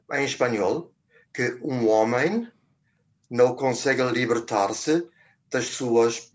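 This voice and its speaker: Brief: older man, unhurried and halting, gropes for each word. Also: mid-range voice. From Germany. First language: German. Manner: deliberate, searching for words with frequent pauses. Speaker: guest, journalist. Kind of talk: radio interview chat.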